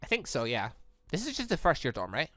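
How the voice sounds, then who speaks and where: A man's voice: a little high, huge pitch swings, fast talker, bright, forceful tone, no echo, soft background music, voice pushed down, exaggerated voice. A man voicing a sceptical, mildly exasperated newcomer student in a visual novel. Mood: doubtful. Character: sceptical, questioning newcomer student being shown around. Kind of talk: visual novel dialogue read aloud.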